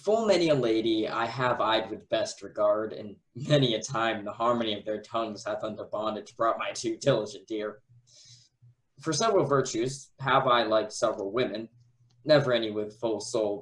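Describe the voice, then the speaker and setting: A man's voice: on the low side, moderate pace, natural voice, rough recording. A man playing a humble, devoted young prince in love, declaiming courtly verse in a Shakespearean radio play. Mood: adoring, earnest.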